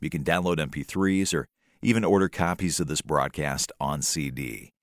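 Recorded dry and close with no echo against a silent background, a man with a very deep, low voice and vocal fry speaks with lively intonation. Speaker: radio host. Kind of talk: radio announcing. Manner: formal.

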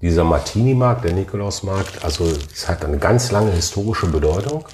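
A man's somewhat breathy, fairly low voice at a moderate pace, with ordinary pitch variation. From Germany, Lower Saxony. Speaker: mayor. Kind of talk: casual chat.

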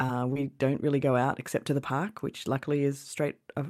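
With an Australian accent, a woman of very deep, low pitch talks at a moderate pace. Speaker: travel blogger and podcaster. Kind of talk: casual chat. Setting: remote recording.

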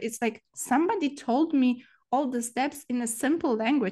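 Against a quiet background, a woman with a Polish accent speaks in a high pitch with lively intonation. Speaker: online business coach. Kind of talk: interview.

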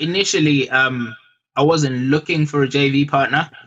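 At a fairly slow pace, a man speaks in a medium pitch with fairly even intonation. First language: not English. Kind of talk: interview.

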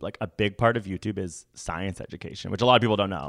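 A man with a fairly low pitch talks at a very fast pace on a very clean recording with a silent background. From Canada. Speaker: tiktok creator who once took the host's sunglasses. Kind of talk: casual chat.

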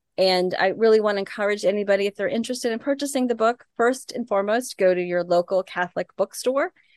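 A woman with an American accent talks at a very fast pace, pitched in the medium range with ordinary pitch variation and hardly any pauses. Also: dry, close sound with no echo. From Boston. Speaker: author and podcaster. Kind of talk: podcast interview.

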